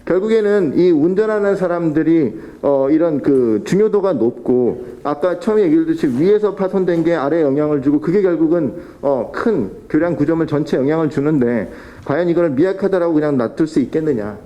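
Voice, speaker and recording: Man, technical presentation, explanatory, halting restarts, dull lo-fi recording. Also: fairly high pitch, expressive, warm tone. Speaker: presenter at a policy forum. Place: council hall.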